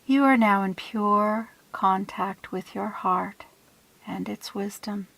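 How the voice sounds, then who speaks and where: A woman leads a guided meditation at a very unhurried pace. Her delivery is soothing and hushed, with phrases that trail off into breath. The recording is dry and close, with little room sound. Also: mid-range voice, gravelly, dry recording, low-quality recording.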